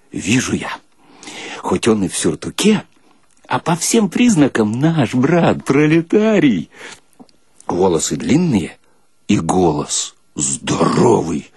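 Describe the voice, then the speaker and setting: Animated husky man telling a comic tale. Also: fairly low pitch, dry recording, clean studio sound. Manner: folksy, theatrical, animated, breaks into mock singing. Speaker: storyteller. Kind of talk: comic monologue in character, colloquial radio storytelling.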